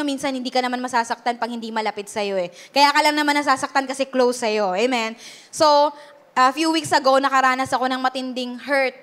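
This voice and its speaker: A woman's voice: sits high, a bit bright. A Filipino woman pastor preaching a sermon earnestly, switching between Tagalog and English and checking in with the congregation.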